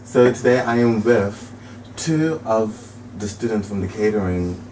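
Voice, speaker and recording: A man's voice: lowish voice, lively intonation, measured pace. A young man hosting a casual student radio interview, chatty and upbeat, laughing often. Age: young adult. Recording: distant mic, faint background noise.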